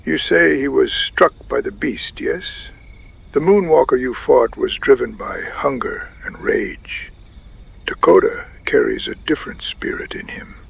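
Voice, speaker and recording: A man playing a wise, solemn Native tribal chief in a frontier audio drama, speaking gravely with a breathy, gravelly voice that often drops to a whisper. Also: medium pitch, heavily acted. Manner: slow, measured, grave pronouncements.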